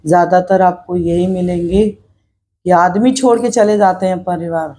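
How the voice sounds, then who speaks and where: Middle-aged woman vlogger, earnest personal talk, flat and dark-toned delivery. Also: fairly low pitch, unhurried. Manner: earnest, reflective, repeats herself while speaking her mind. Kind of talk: personal vlog talk to camera.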